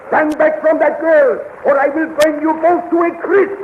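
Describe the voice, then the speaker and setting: An actor playing an earnest, scheming scientist with urgent, deliberate delivery in a 1930s radio serial. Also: male voice, very high-pitched, steady tone. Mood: threatening. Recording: tinny, hissy 1930s radio recording.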